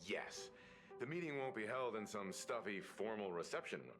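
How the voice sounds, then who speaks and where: An actor playing a calm, courteous, mature advisor in a video game, measured and articulate. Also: male voice, lowish voice, music in the background, lightly acted. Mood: informative, courteous.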